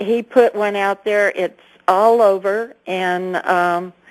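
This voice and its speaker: A woman with an American accent speaks at a medium pitch in a monotone, flat intonation. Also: quiet background. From Southern California. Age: 80s+. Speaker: amateur speed racer. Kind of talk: radio interview answer.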